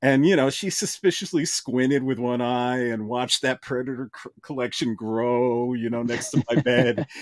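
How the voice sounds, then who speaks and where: A man with an unremarkable speaking voice, medium in pitch, at a moderate pace with hardly any pauses and ordinary pitch variation. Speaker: podcast host. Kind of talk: casual interview chat.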